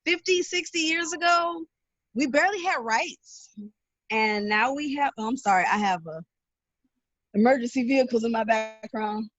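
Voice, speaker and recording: A woman's voice: on the high side, expressive, normal speed, fairly bright tone, no room sound. An American woman talking as a panelist in a casual motivational chat, earnest and supportive. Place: at home on an online video panel, windows open.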